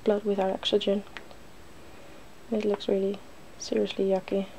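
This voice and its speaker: A woman speaks in a hushed ASMR style while demonstrating makeup. Her voice is mellow and relaxed with plenty of vocal fry, and it often drops into a whisper. A faint layer of noise sits behind her. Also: medium pitch, moderate pace, poor audio. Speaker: ASMR video host.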